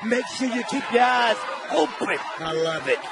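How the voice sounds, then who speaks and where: A man's voice: extremely high pitch, expressive, normal speed, a loud crowd. A man doing informal colour commentary on live wrestling, with punchy, appreciative interjections. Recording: clear arena noise behind.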